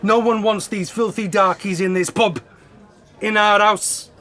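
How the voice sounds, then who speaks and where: An actor playing an aggressive, hostile Liverpool pub local in an audio drama. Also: male voice, high-pitched, steady tone, measured pace, pushed and bright. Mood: aggressive, contemptuous.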